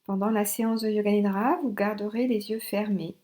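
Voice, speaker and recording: A woman instructor leading a guided yoga relaxation in short instructional phrases with pauses. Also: mid-range voice, fairly even intonation, warm tone.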